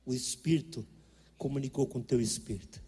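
A man's voice: medium pitch, brisk, warm tone, slightly rough, in a large hall. A middle-aged Brazilian man preaching a sermon, telling stories in an emphatic, conversational way. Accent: Brazilian Portuguese. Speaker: pastor. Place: church.

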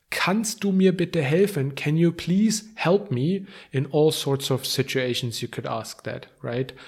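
A man teaching phrases on a podcast, his voice sitting a little high. He speaks slowly and deliberately, repeating each phrase so the listener can follow. He switches between the lesson phrases and English explanations. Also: a little mellow. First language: German. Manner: slow, clear repetition of phrases, explaining in English. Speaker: language podcast host. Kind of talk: slow bilingual language lesson.

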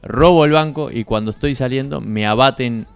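A Uruguayan man cohosting a comedy talk show, dry and deadpan as he lays out absurd plans. His voice sits at a middle pitch, with faint music underneath. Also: moderate pace, vocal fry, smooth. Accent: Uruguayan Spanish. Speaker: radio show host. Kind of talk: comedic banter among hosts.

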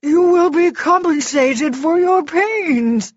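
A woman's voice: sits high, slow pace, no room sound, muffled recording, voice pushed up. A woman voicing a villainous froglike male fae lord in an audiobook, gabbling and protesting in panic. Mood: desperate pleading.

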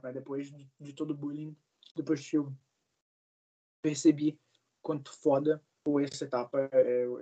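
A man's voice: mid-range voice, warm tone. A man in his early twenties telling stories in a casual interview, rambling with lots of fillers and swearing. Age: 20s. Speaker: guest, singer.

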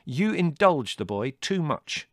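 A man's voice: medium pitch, big pitch swings, moderate pace, dry recording, studio quality, pitched above the performer's own voice, natural voice. A man voicing an irascible young older brother in an audiobook, biting, sarcastic and theatrically indignant. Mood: exasperated. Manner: biting, withering, exaggerated indignation. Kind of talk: audiobook character dialogue.

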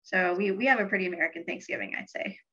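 A woman's voice: medium pitch, fast talker, breathy edge. A young woman, a student guest on a podcast, speaking thoughtfully and steadily with the odd "um". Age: young adult. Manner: thoughtful, steady, some ums. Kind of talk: casual interview chat. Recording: dull lo-fi sound.

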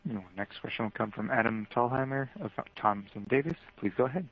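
A man's voice: medium pitch, brisk, no echo. A man working as a conference call operator, making scripted announcements of the next questioner. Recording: dull lo-fi conference line.

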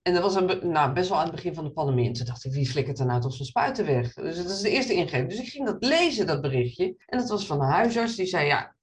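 Woman, middle-aged, surgeon and professor, animated storyteller, frequent restarts, slightly low voice. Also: quick pace, hardly any pauses. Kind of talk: interview in front of an audience.

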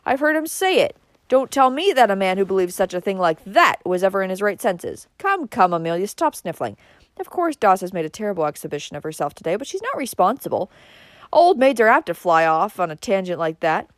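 An outraged, domineering older uncle out of a storybook, acted by a woman narrator, snorting and growling his scorn. The pitch swings widely as he blusters, and the recording is dry and close. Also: very animated, brisk, dry recording. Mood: blustering, domineering.

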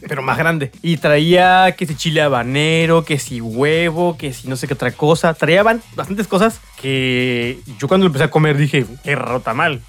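A man with a Tabasco Mexican Spanish accent tells stories in a relaxed, animated way and laughs often. His voice sits fairly high for a man, and soft music plays faintly underneath. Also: moderate pace. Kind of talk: casual chat.

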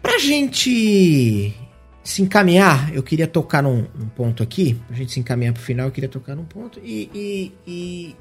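A man with a Brazilian accent, co-hosting a podcast in an animated, joking, self-deprecating way. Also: a little high, a little fast, hardly any pauses, breathy edge, soft background music. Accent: Brazilian Portuguese. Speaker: podcast co-host. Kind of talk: casual chat about tabletop games.

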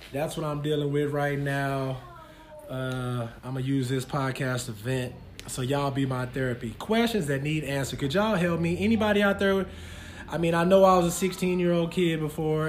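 A man in his thirties, a father and podcast host, venting in a rambling, earnest way and talking straight to his listeners. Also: a little high. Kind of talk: casual venting monologue. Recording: noisy background.

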